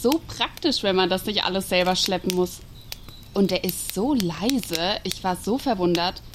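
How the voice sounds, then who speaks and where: A woman's voice: mid-range voice, moderate pace. A woman performing colloquial, scripted dialogue in an audio play. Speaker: podcast host acting in a short audio play. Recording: noisy binaural campfire scene.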